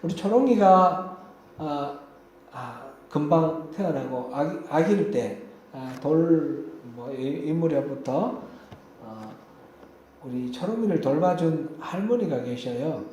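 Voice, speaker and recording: Echoey, lively voiced male preacher. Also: on the high side, slow, slight background noise. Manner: tells personal anecdotes in a conversational tone. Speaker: pastor. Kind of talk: sermon. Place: church sanctuary. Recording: very echoey church hall.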